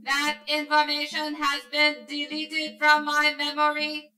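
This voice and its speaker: A woman playing an emotionless, obedient female pleasure robot in a sci-fi radio drama, reciting in a robotic monotone. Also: sits high, unhurried, faint music behind. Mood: flat, obedient.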